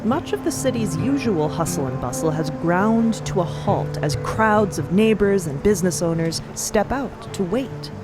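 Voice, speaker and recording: A woman's voice: mid-range voice, lively intonation, normal speed, few pauses. A woman narrating a scripted dramatic story, with wry, conversational asides. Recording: loud music under the voice. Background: loud music bed.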